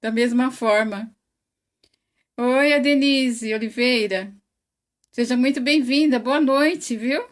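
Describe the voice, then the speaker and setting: She's the host of a livestreamed spiritist study, a woman whose Brazilian Portuguese accent comes through as she chats loosely, laughs frequently and names each viewer in greeting. Her fairly high voice moves slowly with frequent pauses, and she says it's very loud.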